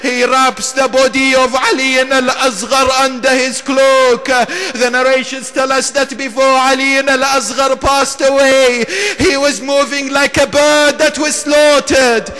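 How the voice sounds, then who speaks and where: A man delivering a mournful sermon, recounting slowly with grief and breaking into cries. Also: extremely high pitch, flat delivery, pushed and bright, smooth. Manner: slow, grieving storytelling with sudden cries. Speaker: preacher. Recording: long reverb of a large hall.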